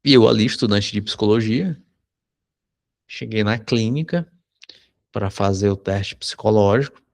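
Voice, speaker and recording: A Brazilian man, a psychology teacher, telling a personal anecdote in a conversational lesson, often tagging sentences with a quick question. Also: fairly low pitch, creaky. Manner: conversational, frequent tag questions. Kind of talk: anecdote told in a recorded lesson.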